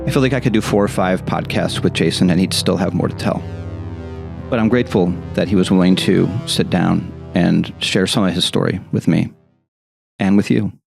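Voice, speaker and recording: A man's voice: sits low, steady tone, normal speed, vocal fry, music in the background. A man hosting his own podcast, introducing a guest and chatting in an easygoing, friendly way. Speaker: podcast host. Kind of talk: casual interview and spoken intro.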